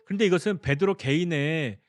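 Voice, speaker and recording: A man's voice: fairly high pitch, a little fast, no room sound. A male pastor preaching a sermon, telling the story and asking the congregation questions. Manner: storytelling, acting out quoted dialogue.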